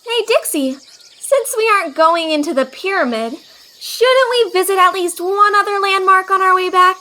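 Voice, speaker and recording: Very high, bright, perky woman-played young woman. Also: normal speed. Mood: cheerful. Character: perky, hungry, inquisitive young woman on a sightseeing trip. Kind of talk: fan audio drama acting.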